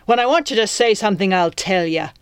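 A woman's voice: fairly low pitch, animated, slow pace, dry recording, clean studio sound. A woman voicing a menacing male pirate captain in an audiobook, with a commanding, taunting, theatrical manner. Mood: snapping, angry.

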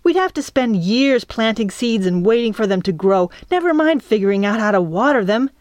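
A woman's voice: on the high side, animated, moderate pace, a little mellow, dry recording, clean studio sound, voice pushed up, natural voice. A woman doing a bossy young girl leader. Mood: firm. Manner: firm, matter-of-fact. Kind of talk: audiobook character voice.

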